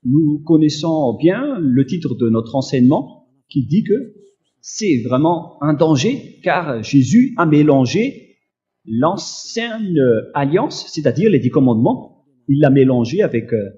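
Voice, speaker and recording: Lively-pitched French-speaking preacher with a cough. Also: male voice, lo-fi sound. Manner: slow, emphatic preaching with many hesitations. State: slight cough. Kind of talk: sermon teaching.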